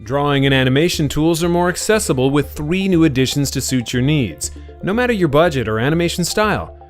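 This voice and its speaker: A man's voice: on the high side, expressive, fairly quick. A man reading scripted voice-over in a polished, articulate delivery. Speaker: voice-over artist. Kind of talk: scripted voice-over demo reads: commercial, explainer, narration. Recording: music bed behind the voice.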